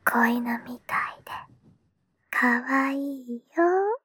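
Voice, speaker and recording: A woman's voice: high voice, animated, slow, sharp tone, slightly rough, heavily acted. A woman voicing a playful, doting schoolgirl little sister who teases her older brother in close, whispered ASMR roleplay. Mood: teasing. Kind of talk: ASMR roleplay with ear cleaning.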